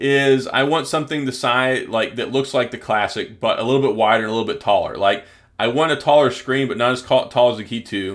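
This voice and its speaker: A man speaks with a slight Southern accent. He barely pauses at all. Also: medium pitch for a man, ordinary pitch variation. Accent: slight southern drawl. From Texas, Houston. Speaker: tech YouTuber. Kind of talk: livestream chat with viewers. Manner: fast.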